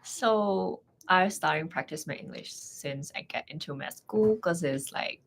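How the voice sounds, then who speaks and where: Low, creaky young Thai-accented woman. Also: a little slow, slight background noise. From Thailand. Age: young adult. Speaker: guest, medical trainee. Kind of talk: casual chat.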